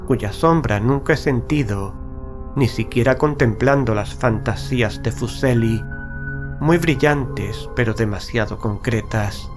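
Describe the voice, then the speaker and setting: Male narrator, gothic horror audiobook, solemn, measured delivery, careful diction, music behind. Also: mid-range voice. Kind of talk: dramatic literary audiobook narration. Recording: background music under studio narration.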